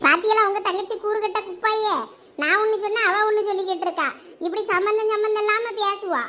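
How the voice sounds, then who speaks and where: A woman's voice: very high voice, steady tone, fast talker, bright, forceful tone. A woman voicing a short-tempered, sarcastic village wife in a cartoon, scolding and complaining in a Thoothukudi Tamil accent. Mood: exasperated. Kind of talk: dialect cartoon family comedy dialogue.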